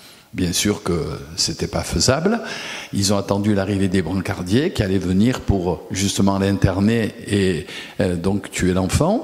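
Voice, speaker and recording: Over noticeable background noise, a man with a fairly low pitch speaks at a very slow pace with fairly even intonation. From France, Nice. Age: 70s. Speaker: pastor. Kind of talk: testimony. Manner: halting, many hesitations.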